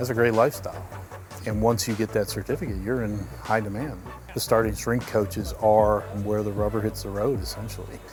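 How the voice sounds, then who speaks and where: A man talks at a fairly quick pace with fairly even intonation. Music plays in the background. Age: 60s. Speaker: surgeon and gym owner. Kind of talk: interview testimony.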